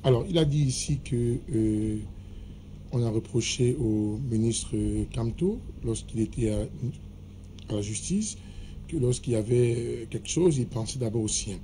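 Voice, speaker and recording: A man's voice: medium pitch, unhurried, warm tone, a little hiss or hum. A man arguing his point in a heated studio debate, insisting that he be allowed to finish speaking. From Cameroon. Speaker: political debate panelist.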